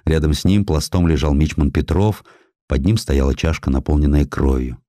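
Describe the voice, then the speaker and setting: A man with a low, dark-toned voice reads historical prose in a dramatic storytelling style. His delivery is measured and expressive. The sound is close and very dry, as from a studio microphone. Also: no room sound. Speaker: audiobook narrator.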